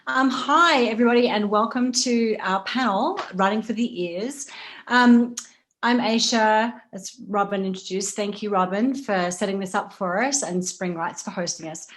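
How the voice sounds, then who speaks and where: A woman's voice: mid-range voice, normal speed. A woman with a mid-range voice moderates an online panel. Her style is informal and conversational, and she is heard over a video call.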